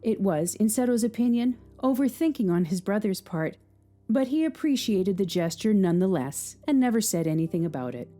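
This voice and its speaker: A woman reads a dramatic story aloud, with a mellow, darker tone. Her delivery is measured and scripted, and it leans into tense moments. Faint music plays underneath. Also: mid-range voice, expressive. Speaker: narrator.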